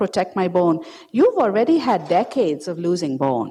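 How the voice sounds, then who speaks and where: A woman is speaking. Her pitch swings very widely. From India. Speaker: physician lecturer. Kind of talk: lecture. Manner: engaging, asks audience questions.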